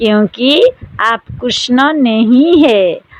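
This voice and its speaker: A woman speaks in an unremarkable speaking voice, fairly high in pitch with ordinary pitch variation. The sound is dry and close, with no echo. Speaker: spiritual discourse reader. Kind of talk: spiritual discourse reading.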